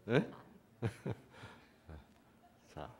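With a lowish voice over slight background noise, a middle-aged man lectures on the Bible at church. He keeps things lively, putting questions to the audience and cracking jokes with laughter.

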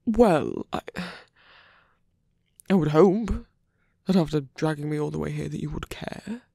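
A man playing a tired, wounded villain softening toward a lover in an intimate ASMR roleplay, breathy and hesitant, often half-whispering close to the mic. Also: on the high side, dry recording. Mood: curious, probing. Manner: hesitant, halting, with long pauses and sighs. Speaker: ASMR voice actor. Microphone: close microphone, dry.

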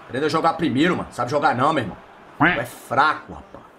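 A man's voice: mid-range voice, expressive, quick pace, bright, forceful tone, slight background noise. A Brazilian man streaming a football video game, taunting and swearing at his online opponent. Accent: Brazilian Portuguese. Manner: trash-talking, mocking, profane. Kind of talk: live gameplay commentary.

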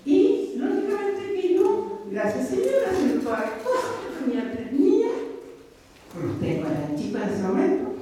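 Woman, religious testimony, high voice, mellow tone, storytelling manner, echoey hall, far from mic. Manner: animated storytelling, often asking "¿ya?". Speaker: lay speaker giving a testimony. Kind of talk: religious talk, personal testimony. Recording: echoey hall, voice from far off, faint background noise.

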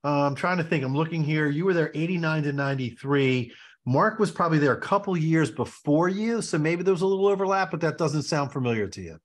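Chatty middle-aged man, fairly high voice. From Baltimore, USA. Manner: chatty, quick asides, self-interrupting. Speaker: podcast host. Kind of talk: casual video call interview. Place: home office. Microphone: headset on video call.

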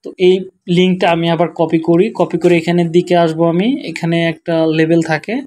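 Tired, soft-spoken man tutoring. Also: a little high, level tone, a little hiss or hum. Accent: Bangladeshi. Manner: quiet, slow, tired-sounding talk. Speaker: web developer teaching SEO. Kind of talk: casual screen-share tutorial.

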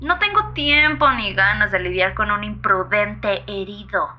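An actress playing a feisty, fearless, irritated 911 caller in a horror audio story, brash and mocking, heard through a phone filter. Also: female voice, medium pitch, a little slow, faint music behind. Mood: annoyed, unbothered. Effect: phone-line filter. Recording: thin band-limited phone sound.

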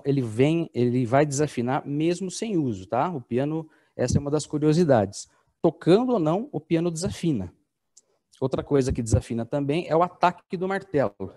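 A man's voice: a little high, a little mellow. A Brazilian man in his forties, a piano technician explaining his craft in a workshop, often checking in with tag questions. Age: 40s.

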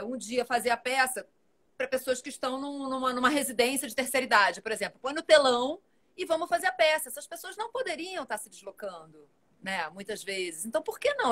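A woman in her forties chats with animated energy over a video call from home. Her voice sits a little high for a woman, and she talks on in long, busy runs while gesturing. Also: a little fast. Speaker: actress, guest. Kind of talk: casual live video chat. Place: home room with plants and shelves.

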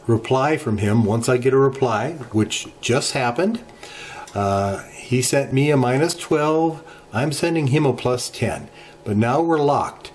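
A middle-aged man hosting a ham radio channel, walking through software settings in an unhurried tutorial with many filler pauses, recorded at a desk in his home radio room. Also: mid-range voice, slight background noise. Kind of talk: screen-share software tutorial. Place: home radio shack, indoors.

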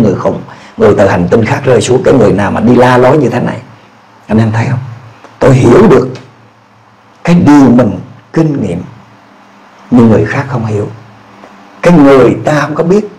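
A middle-aged man from Vietnam preaching a testimony sermon, dropping to low, quiet narration and then rising into loud, fervent exclamations. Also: rough recording. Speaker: pastor.

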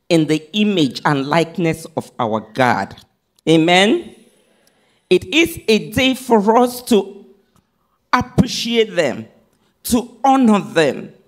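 A woman pastor delivers a sermon at an unhurried pace. She reads scripture in careful, measured phrases and repeats key lines for emphasis. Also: fairly low pitch. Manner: preaching, reading scripture aloud in measured phrases.

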